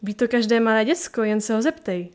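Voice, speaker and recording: A woman's voice: on the high side, animated, clean tone, lightly acted. A woman voicing a jumpy, superstitious young slave girl who talks about herself in the third person. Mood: insistent.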